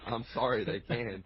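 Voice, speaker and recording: A man's voice: mid-range voice, lo-fi sound, noisy background. A man talking bluntly as a guest on a casual wrestling podcast, ranting with plenty of swearing.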